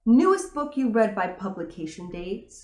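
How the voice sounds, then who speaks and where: A woman's voice: mid-range voice, sing-song, moderate pace, mellow, roomy sound. A young woman, a teacher, chatting casually through a book tag with lots of fillers and emphatic opinions.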